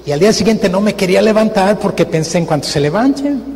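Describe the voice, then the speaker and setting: A man, a guest missionary, preaching a sermon and telling a story with lively acted-out voices in a church. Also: high voice, fast, vocal fry. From Mexico. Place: church sanctuary. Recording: reverberant church hall, faint noise.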